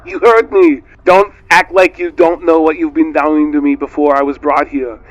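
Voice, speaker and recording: A man's voice: on the high side, fairly even intonation, normal speed, no room sound, highs cut off, close to an everyday voice. A man voicing a bitter, defiant captured soldier in a mock Austrian-German accent, with a clipped, commanding delivery, in an amateur read-aloud. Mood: bitter, accusing.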